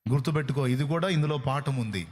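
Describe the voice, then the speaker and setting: With a fast, darkish, mid-range voice, this Telugu-accented pastor gives an emphatic sermon. Rhetorical questions and acted-out quotations carry his argument.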